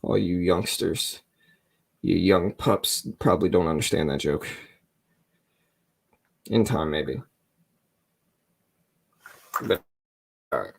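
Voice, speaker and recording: A middle-aged man with a raspy morning voice, chatting casually as a livestream host in a joking, self-deprecating, rambling way. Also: slow pace, long pauses. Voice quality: deep morning voice. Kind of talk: casual live trading commentary to chat.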